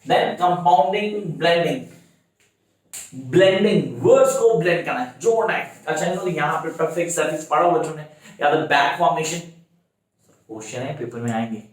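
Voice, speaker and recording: A male tutor with an Indian English accent giving a brisk exam-prep lecture, talking straight to his students and answering his own questions. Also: a little high. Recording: very echoey room, voice far from mic.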